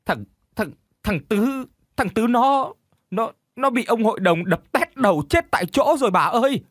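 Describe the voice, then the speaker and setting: A man's voice: very high-pitched, expressive, moderate pace, no room sound, clean studio sound, pitched above the performer's own voice, exaggerated voice. A man voicing a panting neighbor woman who stammers out terrible news. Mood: panicked. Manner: stammering, out of breath. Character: frantic, panting middle-aged neighbor woman.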